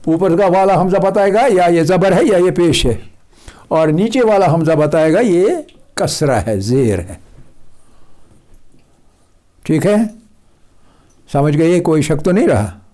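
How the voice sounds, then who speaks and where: A man's voice: on the high side, long pauses, dark tone. A man teaching Quran pronunciation, patiently repeating example words and drilling his students.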